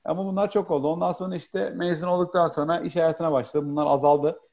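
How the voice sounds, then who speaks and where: A man's voice: on the high side, fairly even intonation, fast, a little mellow, highs cut off. A man chatting as a guest, rambling with many hesitations and fillers. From Turkey. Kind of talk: casual chat.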